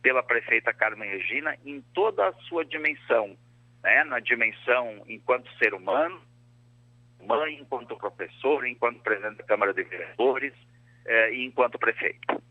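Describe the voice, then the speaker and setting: Um homem, ex-prefeito, dá entrevista por um telefone chiado que corta o tempo todo, falando de modo formal e pausado, com muitas hesitações. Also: male voice, medium pitch, lively intonation, no room sound. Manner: formal and measured, with frequent hesitations. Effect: crackly phone line that keeps cutting out. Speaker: former mayor, interview guest. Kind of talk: phone interview on a radio show. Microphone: telephone. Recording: dull, dry phone line.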